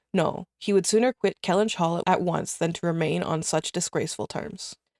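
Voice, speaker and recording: A soft-spoken woman talks in a calm tone. The recording is very clean, with a silent background. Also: dry, close sound with no echo. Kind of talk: audiobook reading. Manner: soft-spoken, calm.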